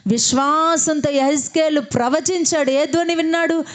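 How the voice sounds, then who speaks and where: A woman's voice: high-pitched, fairly even intonation, moderate pace. A woman preaching a sermon who asks the congregation questions, answers them herself, and leads them in prayer.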